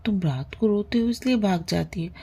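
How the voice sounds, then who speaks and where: A woman voicing a gentle young uncle who talks to a child in a soft, coaxing way in a storybook reading. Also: medium pitch, animated, normal speed, creaky, slightly rough.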